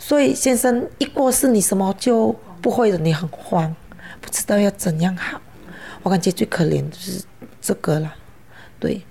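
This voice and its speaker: With lively intonation and long, frequent pauses, a woman speaks at a medium pitch and a moderate pace. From Indonesia, Aceh (Sumatra). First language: Hokkien (speaking Chinese). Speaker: volunteer. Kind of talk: interview. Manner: halting.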